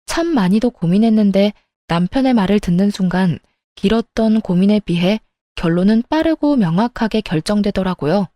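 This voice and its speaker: A woman's voice: medium pitch, expressive, normal speed, mellow, no echo. A woman narrating a first-person radio story in a confiding, indignant storytelling manner on a close mic.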